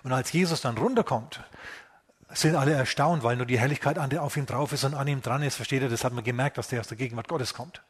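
Husky German-speaking preacher, conversational. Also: male voice, medium pitch, fast. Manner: animated, acts out voices of biblical figures; conversational, asks the congregation questions. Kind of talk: lively sermon.

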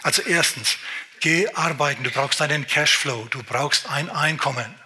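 Brief: man preaching, very bright tone, fairly high voice, talks straight to you. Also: normal speed, slight background noise. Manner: lively, exclaiming, talks straight to the listener. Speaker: pastor. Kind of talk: sermon.

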